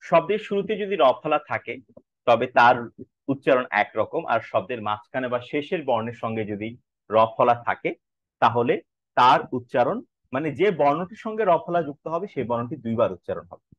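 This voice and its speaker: A man teaching an online class on pronunciation, saying each example word slowly and clearly, sometimes several times. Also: mid-range voice, animated, no room sound. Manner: slow, drawn-out modelling of words. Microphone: video call. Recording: dull lo-fi online call audio.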